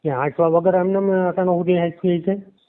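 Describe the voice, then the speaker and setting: Tinny phone line, man in his sixties, Saurashtra Gujarati accent, slightly high voice, terse, plain-spoken. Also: steady tone, brisk, no echo. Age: 60s. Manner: terse, plain, gives short agreeing answers. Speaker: caller, husband in a domestic dispute. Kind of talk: casual phone conversation. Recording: tinny, narrow phone-call audio.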